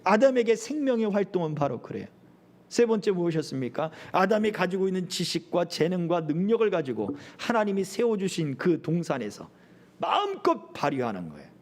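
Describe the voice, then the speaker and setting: A middle-aged man preaching a sermon as pastor, animated, acting out quoted voices as he goes. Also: sits high, brisk.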